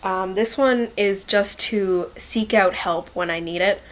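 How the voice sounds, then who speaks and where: A woman's voice: mid-range voice, measured pace. A young woman vlogging casually to the camera. She sounds congested from a head cold and talks in a chatty, rambling way with lots of likes and ums. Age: young adult. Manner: shy and quiet by nature. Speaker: beauty vlogger.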